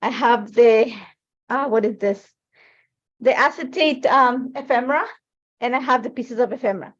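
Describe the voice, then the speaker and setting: High-pitched woman chatting through a craft livestream. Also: moderate pace, muffled recording. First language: Spanish. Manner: chatty, informal, rambling. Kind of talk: casual live craft tutorial.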